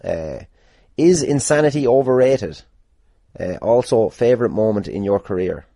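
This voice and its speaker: A man's voice: on the low side, animated, moderate pace, vocal fry, mellow, no echo, clean studio sound. An Irish man hosting a casual solo podcast, answering listener questions in a rambling, jokey way with plenty of swearing. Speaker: podcast host, pro wrestler.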